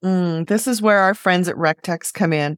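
A woman speaks at a fairly slow pace with ordinary pitch variation, an unremarkable speaking voice. The sound is dry and close with no echo. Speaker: podcast host. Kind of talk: interview.

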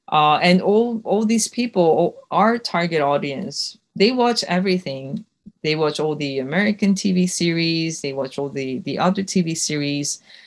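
Fairly slow pace with hardly any pauses. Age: 40s. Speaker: film industry professional. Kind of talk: interview.

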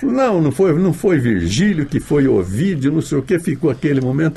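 This man's voice is fairly high in pitch with very wide pitch swings, a dark, mellow tone and vocal fry. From interior of São Paulo state and northern Paraná, Brazil. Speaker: veteran sports radio announcer and news anchor. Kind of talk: interview, telling his life story.

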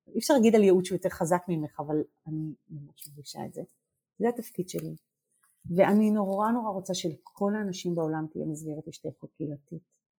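A woman's fairly low, somewhat breathy voice, dark and mellow in tone, at a fairly quick pace with ordinary pitch variation and big swings in loudness, in a dry, close sound with no echo. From Israel, Givatayim and Ramat Gan. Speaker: community building expert. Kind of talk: interview. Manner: quiet when talking about herself; animated on her field.

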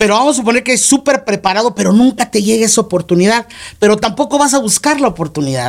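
Speaking at a very fast pace, a man uses lively intonation. His pitch is high. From Chiapas and Mexico City, then Los Angeles. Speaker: entrepreneur. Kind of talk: interview.

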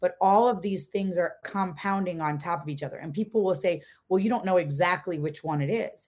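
An American woman with an unremarkable speaking voice talks at a fairly quick pace with ordinary pitch variation. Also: medium pitch for a woman. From upstate New York. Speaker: regenerative farmer and restaurant owner. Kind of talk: interview conversation.

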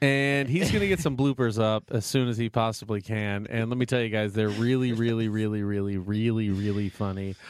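A man talks in an ordinary speaking voice at medium pitch and a fairly quick pace. His intonation is fairly even, with hardly any pauses. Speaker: podcast co-host. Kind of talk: casual banter, podcast recap. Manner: joking, playful.

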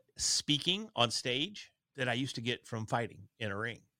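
In a Texan accent, a man speaks at a moderate pace with lively intonation, the sound dry and close with no echo in a very clean recording with a silent background. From North Texas. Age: 50s. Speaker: podcasting mentor. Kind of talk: interview.

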